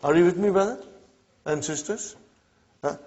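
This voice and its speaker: Man, language teacher, fairly high voice, keeps checking in with the class, muffled classroom recording. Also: moderate pace, darkish tone, husky. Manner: checks in often with "huh?" and "brothers and sisters". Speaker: Arabic teacher. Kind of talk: classroom grammar lesson.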